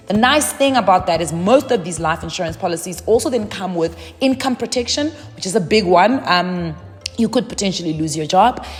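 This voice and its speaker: Chatty woman, lowish voice. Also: long reverb tail. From South Africa. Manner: chatty, many "um" fillers and repeated words. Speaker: personal finance YouTuber. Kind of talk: casual advice monologue.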